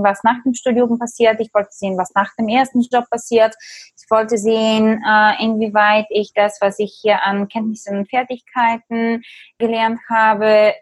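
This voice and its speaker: A woman's voice: fairly high pitch, no echo. A young woman from Bulgaria, whose first language is Bulgarian, answering interview questions thoughtfully and often repeating phrases as she searches for words. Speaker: interview guest. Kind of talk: conversational interview.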